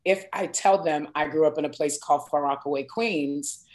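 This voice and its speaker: A woman in her forties from New York, a singer chatting as a guest in an interview and telling stories in an expressive, emphatic way. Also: low-pitched, moderate pace. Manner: warm, expressive storyteller with emphatic asides. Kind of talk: casual interview chat.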